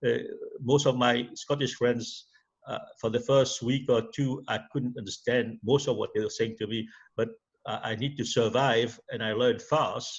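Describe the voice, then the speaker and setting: Monotone, somewhat breathy male speech at medium pitch and moderate pace, over a quiet background. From Mauritius. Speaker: leadership seminar speaker and former naval architect. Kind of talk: interview. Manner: halting, many repetitions and fillers.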